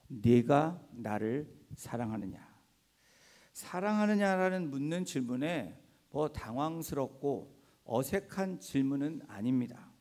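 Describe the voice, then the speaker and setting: A middle-aged male pastor giving a Sunday sermon in a church, telling stories gently and often affirming himself with "ye". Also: a little high. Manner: gentle storytelling with frequent "ye" affirmations. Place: church sanctuary.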